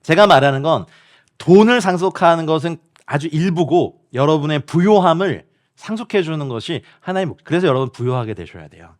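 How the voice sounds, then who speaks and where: A man's voice: fairly high pitch, fairly quick. A man preaching as a missionary at a midweek prayer meeting, speaking directly to the congregation and online viewers and often acting out other people's words. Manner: animated, acts out quoted people and laughs often while preaching.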